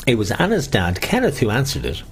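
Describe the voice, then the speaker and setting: Bingo caller man with lively, swooping pitch. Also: brisk, faint music behind. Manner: bingo caller delivery, repeating each number; chatty, bantering with players and co-host. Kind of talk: live bingo calling with rhyming number nicknames.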